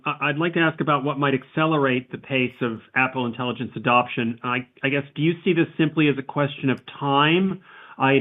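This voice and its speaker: A man calling in as a financial analyst, asking formal, prepared questions on an earnings call. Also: medium pitch. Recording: narrow, phone-like line.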